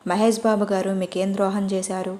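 Woman doing a cheeky teen girl, playful, pleading, steady voice, audio story. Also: mid-range voice, a little fast, lightly acted. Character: cheeky runaway girl of eighteen, quick fibber.

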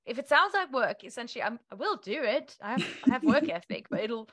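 Animated woman on a video call. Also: fairly high pitch, a little fast, dry recording. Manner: animated, gestures while talking. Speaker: guest. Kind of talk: casual conversation. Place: home room, indoors. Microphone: earphones on a video call.

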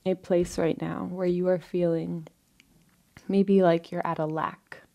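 Low, creaky-voiced woman guiding relaxation. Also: level tone, lo-fi sound. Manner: gentle, soothing, with frequent pauses between phrases. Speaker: guided relaxation teacher. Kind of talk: guided meditation, soft unhurried instruction.

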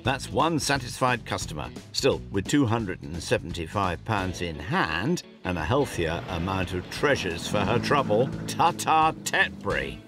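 Man, playful narration, lively swooping voice, somewhat low, light music under it. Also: measured pace, few pauses. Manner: playful, punning. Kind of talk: scripted narration.

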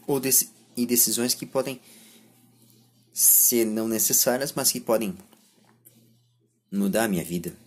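Brazilian male vlogger, 20s, husky mid-pitched voice, reflective and halting. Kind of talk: reflective monologue to camera. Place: small indoor room lined with bookshelves. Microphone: phone or camera at arm's length.

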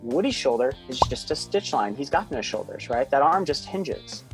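A middle-aged man explains things in an informal, conversational way. His voice is medium in pitch. He is recorded on a video call from a small home office, with faint music behind him. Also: sing-song, moderate pace, creaky. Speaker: expert interviewee. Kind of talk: casual spoken explanation in an interview. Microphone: video call with wired earphones.

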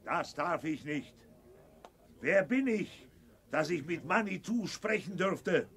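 An actor playing a stern, suspicious, reverent Native American chief in a children's audio drama, husky and solemn. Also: male voice, on the high side, lively intonation, full character voice. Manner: slow, solemn, forceful. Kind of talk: 1980s German children's audio drama acting.

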